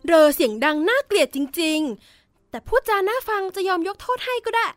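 A woman voicing a bossy, sharp-tongued know-it-all friend in a children's audio drama, with a scolding manner. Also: very high voice, very animated, moderate pace, slight background noise.

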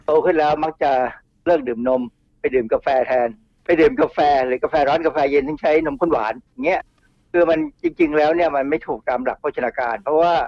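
Middle-aged man, slightly high voice, chatty explainer, dull dry radio-studio sound. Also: huge pitch swings, fast, vocal fry, no room sound. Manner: chatty, explains with asides and repeats. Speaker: toxicologist guest.

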